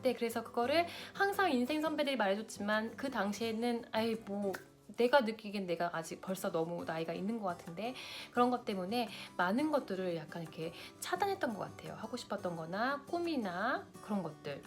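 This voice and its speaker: A woman's voice: mid-range voice, lively intonation, fairly quick, hardly any pauses, soft background music. A woman in her late thirties, a lifestyle vlogger, talking to camera and giving big-sister advice straight to her viewers. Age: 30s.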